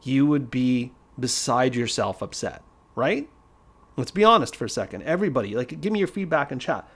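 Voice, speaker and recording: A man's voice: mid-range voice, big pitch swings, moderate pace, breathy edge. A man in the middle of his vocal range who talks straight and hard, like a friend who won't sugarcoat anything. He teaches on a loose, casual stream and drives each point home through repetition. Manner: blunt, emphatic, repeats key points. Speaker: trading educator.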